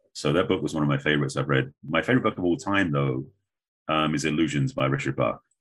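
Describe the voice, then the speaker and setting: With vocal fry and a very deep, low pitch, a man talks at a very fast pace, keeping very even loudness and ordinary pitch variation. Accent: English. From England. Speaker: relationship coach and author. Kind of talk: interview conversation.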